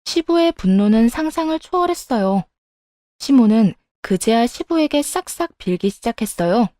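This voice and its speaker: Woman storyteller, lively melodic delivery, mellow tone, dry close sound. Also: a little high, normal speed, no room sound. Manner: expressive, polite storytelling. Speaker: narrator as daughter-in-law. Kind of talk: first-person story narration.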